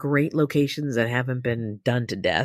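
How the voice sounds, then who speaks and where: A woman with an American accent, a dry, close sound with no echo and a quiet background. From Boston area, New England. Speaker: TV producer and voiceover artist. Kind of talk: interview conversation. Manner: casual, with frequent fillers and restarts.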